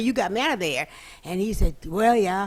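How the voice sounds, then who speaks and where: The woman's intonation is lively, and noticeable background noise runs underneath. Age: 80s+. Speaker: community volunteer. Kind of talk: public remarks at meeting. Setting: public meeting. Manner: halting.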